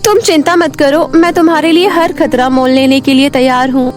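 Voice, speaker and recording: Woman playing a high-voiced, fierce young village girl. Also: fairly even intonation, normal speed, soft background music, natural voice. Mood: determined, earnest. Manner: emphatic, indignant, determined. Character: Payal, brave devoted village girl, fierce and defiant. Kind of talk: cartoon moral story voice acting.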